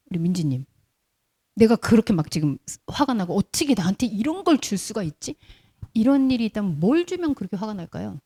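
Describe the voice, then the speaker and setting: Animated woman preaching with mellow tone. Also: medium pitch. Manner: conversational preaching with rhetorical questions to the congregation. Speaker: pastor. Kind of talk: sermon. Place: church.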